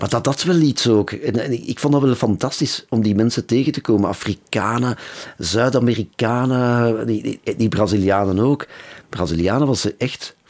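A man's plain, everyday voice at medium pitch, with moderate pace and ordinary pitch variation, in a very clean recording over a silent background. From Brussels, Belgium (Anderlecht). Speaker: session bassist and producer. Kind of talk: casual interview. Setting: studio.

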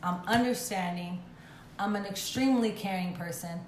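An animated voice comes through with audible room echo. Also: woman. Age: 20s. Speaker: podcast co-host. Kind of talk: casual chat.

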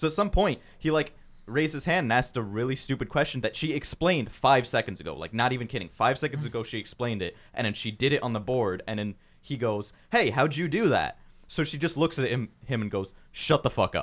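On a very clean recording with a silent background, a man with a plain, everyday voice talks at a fairly quick pace with lively intonation. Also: medium pitch for a man. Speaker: podcast co-host. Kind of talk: casual chat.

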